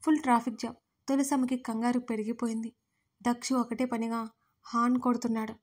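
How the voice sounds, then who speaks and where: Woman, storyteller, scripted romance narration, high voice, flat melody. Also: fairly quick.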